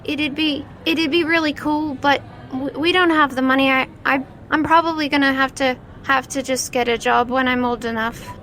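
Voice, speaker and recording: A woman voicing a small, poor, ragged boy who speaks politely and haltingly in a tabletop game. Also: sits high, fairly even intonation, fairly bright tone, voice pushed up. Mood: shy, hopeful.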